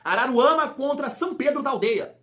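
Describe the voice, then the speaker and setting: Fired-up Rio man with a bright voice. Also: very high voice, expressive, brisk. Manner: emphatic, fired-up, rhetorical questions. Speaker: football fan channel host. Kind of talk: casual vlog commentary.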